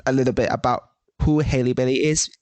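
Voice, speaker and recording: A man co-hosting a podcast in casual chat, animated and restarting often. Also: medium pitch, quick pace, dry recording. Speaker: podcast co-host.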